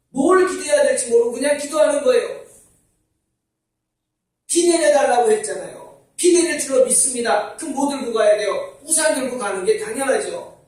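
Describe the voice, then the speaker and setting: A male pastor preaching a sermon, asking the congregation questions and answering them himself. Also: very high voice. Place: church sanctuary. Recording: very echoey church hall from far off.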